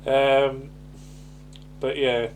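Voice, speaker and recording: A man's voice: medium pitch, little pitch movement, drawn-out words, a little hiss or hum. A man, chatting casually and a little hesitantly as a podcast host recapping a TV show. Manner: hesitant, rambling, chuckling delivery. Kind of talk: casual chat recapping a television sitcom episode.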